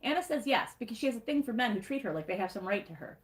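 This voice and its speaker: A woman's voice: on the high side, lively intonation, racing, roomy sound. A woman with a Michigan accent reading her own snarky book recap aloud on a livestream, wry and sarcastic, with laughs at her own jokes.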